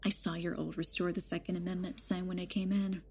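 A woman's voice: lowish voice, level tone, a little fast, a little mellow, slight background noise, natural voice. An actress in an audio drama playing a rejuvenated mother in a young woman's body, sardonic and defiant. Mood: sly, persuasive. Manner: sardonic, pointed.

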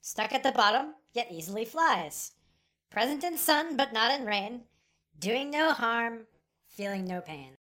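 A game master voicing a magical brass door knocker that asks riddles in a sing-song voice. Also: male voice, very high-pitched, lively intonation, a little slow, pushed and bright, voice pushed up, exaggerated voice.

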